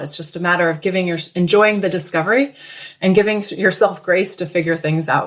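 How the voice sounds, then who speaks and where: A woman with an American accent has a plain, everyday voice at a medium pitch. She talks at a fairly quick pace with fairly even intonation. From US, Washington DC area. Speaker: finance executive. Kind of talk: interview. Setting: podcast.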